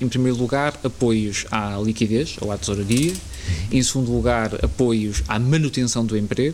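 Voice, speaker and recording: Noticeable background noise sits behind a man speaking at a moderate pace. His medium-pitched voice shows ordinary pitch variation. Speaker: government secretary of state, politician. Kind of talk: interview. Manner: formal.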